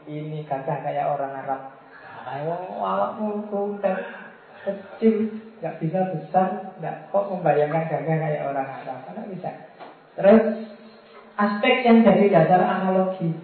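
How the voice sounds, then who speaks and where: A man giving an informal religious lecture, teasing his listeners with playful examples. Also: on the high side. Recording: tinny, echoey, far from mic.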